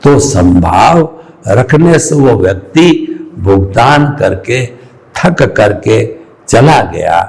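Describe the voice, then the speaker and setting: A man delivers a spiritual discourse in a deep, gravelly voice. His pitch rises and falls a great deal as he explains each point. He speaks slowly and stresses his ideas with everyday analogies. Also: a little mellow, low-quality recording. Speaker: spiritual teacher.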